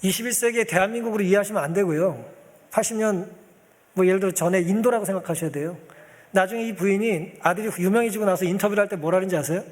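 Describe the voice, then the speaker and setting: Male pastor, high voice, storytelling sermon, long reverb of a church hall. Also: quick pace, a little mellow. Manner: storytelling, acts out quoted pleas, addresses congregation.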